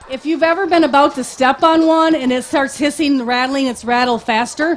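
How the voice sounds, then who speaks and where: A woman speaks with an American accent at a moderate pace, her pitch high with ordinary variation. Noticeable background noise runs behind her. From US South. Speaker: canning instructor. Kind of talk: live demonstration.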